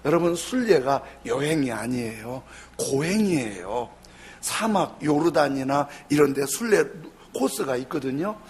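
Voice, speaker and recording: A man's voice: mid-range voice, a little slow, a little hiss or hum. A male pastor preaching a sermon, telling stories and acting out the people in them. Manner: lively storytelling, acts out quoted people.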